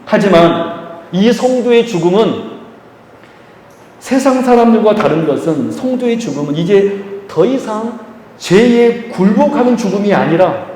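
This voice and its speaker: A man preaching a sermon as pastor, stressing phrases slowly and leading the congregation in call-and-response. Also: high-pitched, warm tone. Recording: echoey church hall, faint ambience.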